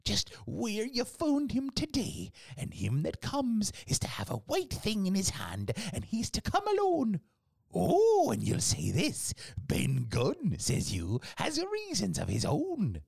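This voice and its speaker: Old marooned castaway, gravelly and husky, as a woman puts him on, low with wild swoops, cunning and eager. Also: wildly swooping pitch, slow pace, darkish tone, no echo, studio quality, exaggerated voice. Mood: wheedling. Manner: sing-song rustic speech with wild pitch swings. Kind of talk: audiobook character voice.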